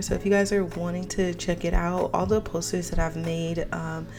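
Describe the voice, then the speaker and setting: Music plays in the background as the voice, at a moderate pace, carries audible room echo. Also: woman. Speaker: graphic designer and business owner vlogger. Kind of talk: casual vlog narration, screen walkthrough. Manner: casual, filler-heavy.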